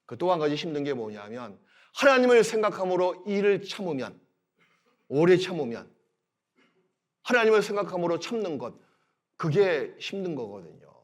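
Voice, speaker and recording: Man, pastor, high voice, middle-aged, sermon in church, slow emphatic delivery. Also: big pitch swings. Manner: explains scripture, then voices God's words in gentle quoted lines; slow, emphatic delivery with swings between loud and soft. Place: church sanctuary.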